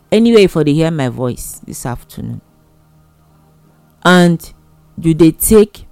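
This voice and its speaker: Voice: medium pitch, darkish tone, no echo. A speaker with a Nigerian accent giving admonishing advice in Nigerian Pidgin, in an emphatic, repetitive, exhorting way.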